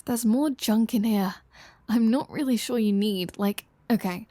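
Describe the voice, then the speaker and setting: A woman's voice: mid-range voice, a little mellow, no echo, close to an everyday voice. A flirty female vampire, played by a woman in an audio roleplay, speaks at a leisurely pace in a mid-range voice. She is sardonic and playful, needling the listener with dry teasing. The sound is very dry, with no room around it.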